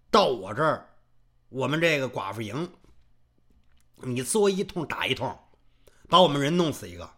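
A male storyteller voicing a bitter, vengeful woman who speaks low and indignant. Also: slightly rough. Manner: bitter, indignant, lower and quieter. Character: fierce widow-camp woman, vengeful and sharp-tongued. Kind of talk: traditional storytelling.

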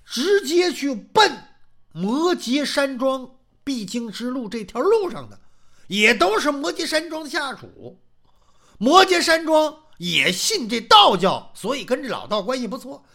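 A male storyteller narrating a martial arts tale in a lively, chatty manner with many asides. His voice is high and bright, and its pitch rises and falls with animation. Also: a little slow. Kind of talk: traditional oral storytelling.

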